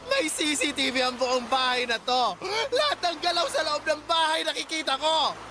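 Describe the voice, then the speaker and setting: Shrill, wailing, betrayed gay mother figure. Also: expressive, normal speed. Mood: outraged, accusing. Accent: Filipino. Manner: melodramatic, shrill, wailing outbursts. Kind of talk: Filipino radio drama acting. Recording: loud music under the voice. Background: loud dramatic music.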